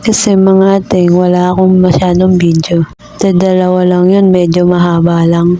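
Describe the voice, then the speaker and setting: Noticeable background noise sits behind a woman speaking at medium pitch and a moderate pace with monotone, flat intonation. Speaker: vlogger. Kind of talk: casual vlog narration. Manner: flat, lifeless.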